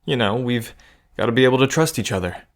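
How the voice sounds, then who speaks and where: A man's voice: medium pitch, animated, fast, natural voice. A man acting in an audio drama as a protective, wry cousin in a gambling scheme, talking in an earnest, conversational way. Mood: reassuring, earnest. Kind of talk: scripted audio drama acting, addressed to the listener.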